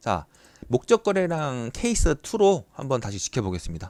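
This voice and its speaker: Recorded with a dry, close sound with no echo, a man with a fairly high voice makes very wide pitch swings. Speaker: stock trading instructor. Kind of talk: lecture. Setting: recorded online class. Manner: self-described poor pronunciation.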